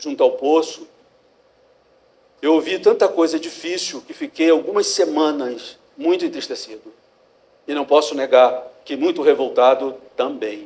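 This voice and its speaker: Delivered at a fairly slow pace, a man's speech is broken by long, frequent pauses. His loudness swings widely. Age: 60s. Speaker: pastor. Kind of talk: sermon.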